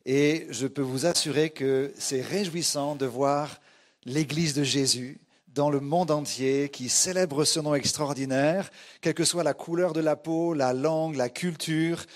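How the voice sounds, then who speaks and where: This unhurried, somewhat high voice belongs to a Frenchman preaching to a congregation. A guest pastor who leads a church movement, he sounds conversational and hesitant and regularly turns to address the listeners directly.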